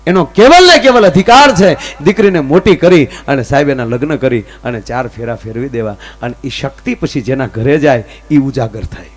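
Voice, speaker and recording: A man's voice: mid-range voice, normal speed, hardly any pauses, slight background noise. A man telling folk comedy stories on stage. He acts out both sides of each conversation. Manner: animated storytelling, acts out both sides of dialogues. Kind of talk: Gujarati stage comedy storytelling.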